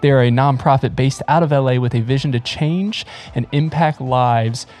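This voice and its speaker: A man's voice: mid-range voice, normal speed, darkish tone, soft background music. A man hosting a podcast, welcoming listeners and introducing his guest in a friendly, upbeat way with a few "uh" fillers. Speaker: podcast host. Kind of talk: podcast intro and casual interview.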